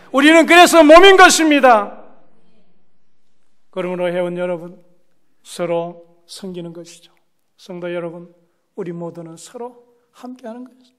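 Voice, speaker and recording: A man preaching a sermon as a pastor, emphatic and repeating key phrases, swinging between loud exclamations and hushed asides. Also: very high-pitched. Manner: repeats key phrases and puts questions to the congregation. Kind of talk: Korean Protestant sermon. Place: church service.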